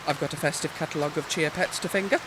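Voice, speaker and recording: A man's voice: a little high, racing, close to an everyday voice. An actor playing a prissy, melodramatic married gay man with pompous, arch phrasing in an audio comedy. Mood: huffy. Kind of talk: comedy audio drama dialogue. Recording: clearly noisy, rain-like background.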